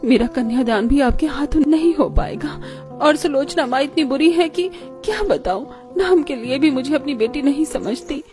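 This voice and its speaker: Woman doing a shy scared young bride in a cartoon, soft and high. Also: normal speed, over music, close to an everyday voice. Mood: sad. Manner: soft, pleading. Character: gentle young bride, timid and mistreated.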